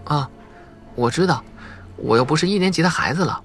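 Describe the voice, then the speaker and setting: A man's voice: on the high side, lively intonation, brisk, a bit bright, soft background music, pitched above the performer's own voice. A man voicing an innocent, earnest young schoolgirl with guileless, childlike manner in an audiobook story. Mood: matter-of-fact, indignant. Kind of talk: audiobook character dialogue.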